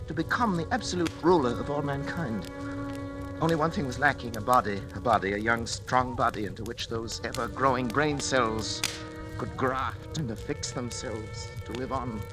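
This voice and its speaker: An actor playing a guilt-ridden scientist father, narrating his crime in grave, measured tones, in a vintage radio drama. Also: medium pitch, close to an everyday voice. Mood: anguished. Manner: hushed, coaxing with his son, then solemn confessional narration. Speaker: doctor and narrator. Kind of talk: 1940s radio drama acting. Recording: old radio broadcast with music bed.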